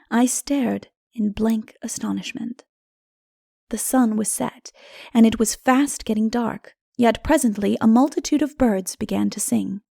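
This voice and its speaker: A woman narrating a literary fantasy audiobook in a measured, dramatic storytelling manner. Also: mid-range voice, vocal fry, dark tone, no echo, studio quality.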